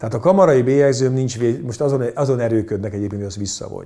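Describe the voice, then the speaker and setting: A man speaks at a medium pitch in a dark, mellow tone that is somewhat breathy. His pitch variation is ordinary, and the recording is very clean with a silent background. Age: 60s. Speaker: veterinarian and mayor. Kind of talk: interview. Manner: halting.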